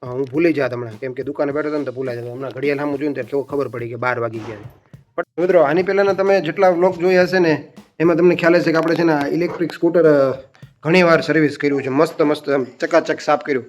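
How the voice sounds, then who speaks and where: A man's voice: on the high side, racing, lo-fi sound, soft background music. A young man with a Gujarati accent, chatting casually to viewers in a family vlog. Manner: chatty, addresses viewers as friends and brother. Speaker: family vlogger. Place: outdoors on village roads.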